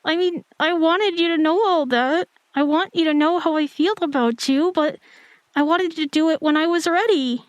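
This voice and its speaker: A woman playing a shy, tender young girlfriend in an intimate romantic sleep-aid roleplay, speaking softly and breathily, often near a whisper, with gentle hesitancy. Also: extremely high pitch, normal speed, no echo, highs cut off. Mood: flustered, embarrassed. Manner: gentle, hesitant, intimate address to one listener.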